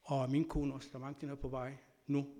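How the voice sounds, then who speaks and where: A man giving an earnest sermon, telling personal stories and moving between loud and soft delivery. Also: medium pitch, little pitch movement. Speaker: church speaker; school worker.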